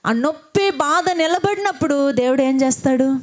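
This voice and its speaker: High-voiced woman preaching a sermon. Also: moderate pace. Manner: asks the congregation questions and answers them herself; leads the congregation in prayer.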